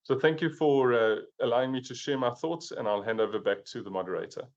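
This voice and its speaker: A man's voice: medium pitch, quick pace, muffled recording. A man from South Africa giving an earnest conference presentation as a pharmaceutical executive, often repeating words as he restarts. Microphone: remote video call.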